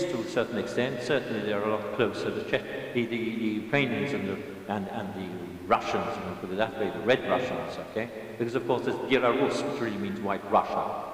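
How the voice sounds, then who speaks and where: A man in his seventies, an audience member making a rambling, digressive comment at a lecture, talking without a microphone. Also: fairly low pitch. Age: 70s. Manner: digressive, halting, with many restarts and asides. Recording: echoey hall, voice from far off.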